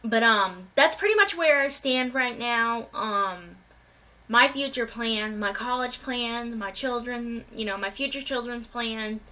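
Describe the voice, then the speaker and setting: Young woman vlogger, bright voice, recovering from a cold, chatty and meandering. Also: fairly high pitch, unhurried. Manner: rambling, many ums and restarts. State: getting over a cold, coughing. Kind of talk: casual life update to viewers.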